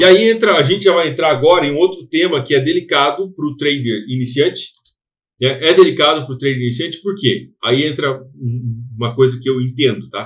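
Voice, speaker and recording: Against a quiet background, a man with a fairly high pitch talks at a fairly quick pace, somewhat breathy, with ordinary pitch variation. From Brazil. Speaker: trading educator. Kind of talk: tutorial. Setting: screen-share video recording. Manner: casual, conversational. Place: home room. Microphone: headset.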